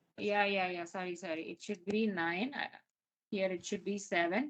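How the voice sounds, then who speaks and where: A woman with an ordinary speaking voice talks at a moderate pace. Her pitch is medium with ordinary pitch variation. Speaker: programming teacher. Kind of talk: online class doubt-clearing session.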